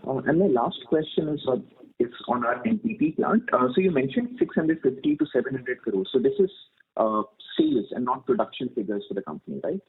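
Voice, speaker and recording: A man's voice: mid-range voice, expressive, a little fast, breathy edge. A man with an Indian accent, an investor politely and hesitantly putting questions on an earnings call. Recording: muffled narrowband phone line.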